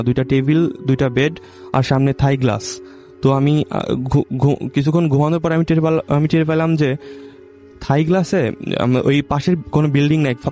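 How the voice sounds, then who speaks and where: A man's voice: fairly high pitch, mellow. A young man from Bangladesh telling a true ghost story in casual speech, stumbling and restarting often. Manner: halting, with many restarts and self-corrections.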